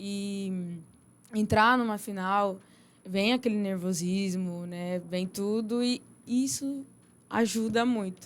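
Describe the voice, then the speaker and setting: A woman speaks at a very slow pace with ordinary pitch variation and long, frequent pauses. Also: medium pitch for a woman. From São Paulo state interior. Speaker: football player. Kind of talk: post-match interview.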